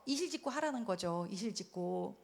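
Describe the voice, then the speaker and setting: Animated woman pastor preaching a sermon. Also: mid-range voice, fairly quick, gravelly. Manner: animated, acts out quoted voices, laughs often.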